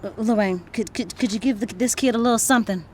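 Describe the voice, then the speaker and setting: A woman's voice: on the high side, fast talker, background noise, close to an everyday voice. An actress in an audio drama playing a bold, protective woman activist who is kindly to strangers and speaks firm, coaxing Black American vernacular. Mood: coaxing, earnest. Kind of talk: naturalistic audio drama acting.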